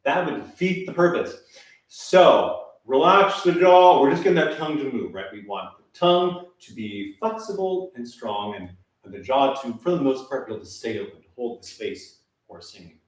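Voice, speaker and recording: A man leading a live online vocal warm-up, calmly coaching and demonstrating sighs and sung exercises. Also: mid-range voice, fairly quick, hardly any pauses, recorded from a distance. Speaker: voice teacher. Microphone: camera mic at a distance. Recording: echoey room, voice off-mic.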